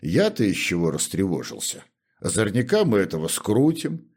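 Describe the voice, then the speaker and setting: A man doing a gruff, bossy old butler. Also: deep voice, wildly swooping pitch, moderate pace, a little mellow, heavily acted. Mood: stern. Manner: gruff, commanding. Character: stern, bossy older male house butler. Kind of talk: audiobook character reading.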